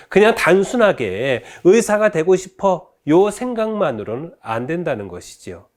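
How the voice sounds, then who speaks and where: A man giving a Catholic faith education lecture, telling stories and asking rhetorical questions, with many filler "ye"s. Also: mid-range voice.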